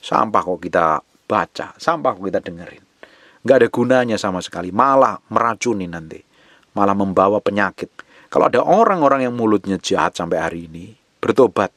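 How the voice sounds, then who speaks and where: A man's voice: animated, a little fast, a bit bright, dry recording. A man preaching a sermon, his voice climbing sharply when he lists harsh words. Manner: emphatic preaching, pitch swells high on lists of harsh words. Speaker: pastor.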